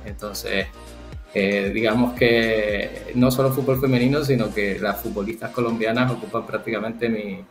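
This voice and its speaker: Low-voiced Canarian man, echoey room. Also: steady tone. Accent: Canarian Spanish. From Canary Islands, Spain. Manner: thoughtful, halting with many fillers and restarts. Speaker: football agent. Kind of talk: interview guest, casual conversation. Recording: roomy echo with faint background music.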